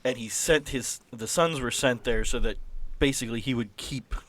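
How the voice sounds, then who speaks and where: A man explaining a character's background in a casual, halting way as a podcast guest. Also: medium pitch, a bit bright. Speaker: podcast guest introducing his game character.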